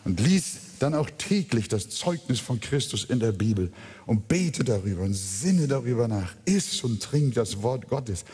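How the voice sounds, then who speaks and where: A man's voice: fairly low pitch, darkish tone, slightly rough. A man preaching a sermon, emphatic and speaking straight to his congregation. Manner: emphatic, addresses the congregation directly. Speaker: pastor. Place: church. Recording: long reverb of a church hall.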